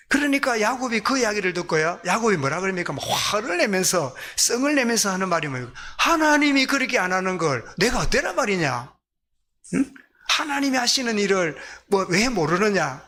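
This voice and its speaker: A man with a Gyeongsang accent preaching a sermon as pastor, lively, asking the congregation questions. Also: high voice. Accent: Gyeongsang Korean.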